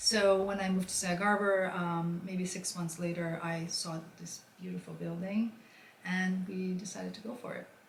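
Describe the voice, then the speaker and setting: A woman's medium-pitched, monotone, flat delivery at a moderate pace, with audible room echo and noticeable background noise. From Brazil. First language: Portuguese. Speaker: store owner. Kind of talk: interview.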